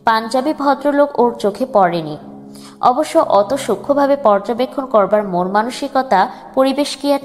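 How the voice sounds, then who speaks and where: Grave woman narrator over soft music. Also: a little high. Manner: grave, measured storytelling. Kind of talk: dramatic reading of a first-person memoir. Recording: long reverb with soft music beneath.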